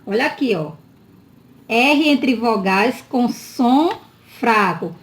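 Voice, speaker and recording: A woman teaching a children's spelling lesson in a slow, drawn-out, sing-song voice, often checking in with her listeners. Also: a little high, expressive.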